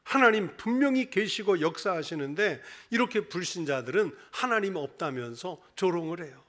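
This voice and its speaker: Pastor, man, middle-aged; earnest sermon delivery in a high register, direct appeals to listeners. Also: a bit bright. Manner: earnest preaching, repeated direct address to the congregation.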